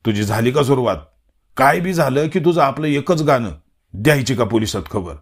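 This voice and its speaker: A man's voice: medium pitch, expressive, moderate pace, slightly rough. A man voicing a bold, hot-tempered village man with a rural Marathi dialect, talking bluntly and scolding.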